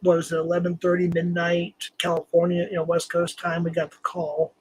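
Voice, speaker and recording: A man's voice: sits high, monotone, a little fast, slightly rough, low-quality recording. An older man hosting a live stream, casual and rambling, laughing often. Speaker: host.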